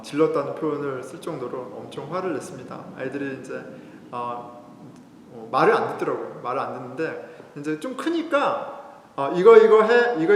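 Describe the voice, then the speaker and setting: A male pastor preaching a sermon in a conversational way, telling a personal story. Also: fairly high pitch. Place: church sanctuary. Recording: echoey hall reverb.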